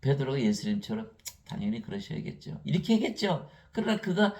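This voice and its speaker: A man preaching a sermon, asking and answering his own questions and acting out Bible figures in lively voices. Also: medium pitch, a little fast. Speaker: pastor.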